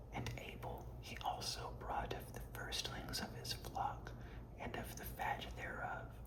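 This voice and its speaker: Someone whispers at a very slow pace in a soothing tone over noticeable background noise. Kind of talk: whispered Bible reading for relaxation. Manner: whispered, soothing.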